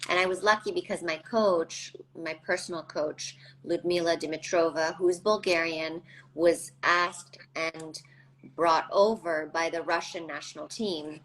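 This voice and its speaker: A woman from Canada in her forties, a guest reflecting thoughtfully in a casual interview, with halting restarts. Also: low-pitched, steady tone, fairly bright tone, poor audio.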